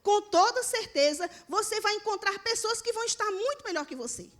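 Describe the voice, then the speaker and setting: A woman's voice: extremely high pitch, lively intonation, brisk. A Brazilian woman pastor preaching a sermon in church, earnestly addressing the congregation as brothers and sisters. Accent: Brazilian Portuguese.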